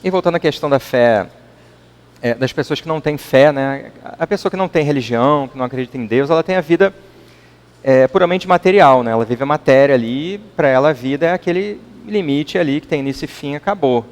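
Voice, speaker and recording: A man's voice: on the high side, lively intonation, fast. Man giving a conversational talk, Brazilian accent. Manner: conversational, keeps adding questioning tags. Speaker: lecturer at a spiritist center. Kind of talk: informal public talk. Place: meeting hall. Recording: long reverb in a hall.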